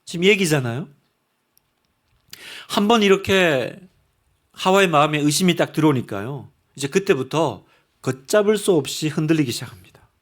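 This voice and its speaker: A male pastor preaching a sermon, animated and asking the congregation rhetorical questions. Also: fairly high pitch, moderate pace, pauses often.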